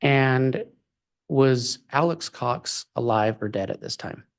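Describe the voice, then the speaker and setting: Speaking as a prosecutor in a courtroom, a man questions formally in measured, halting phrases. His pitch is medium.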